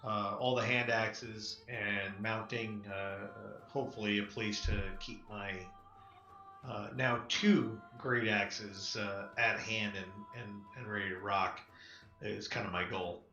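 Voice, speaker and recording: A man's voice: fairly low pitch, fairly even intonation, slow pace, bright, forceful tone. A man playing a tabletop game, describing his moves casually in a rambling, hesitant way. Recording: dull, roomy, music behind.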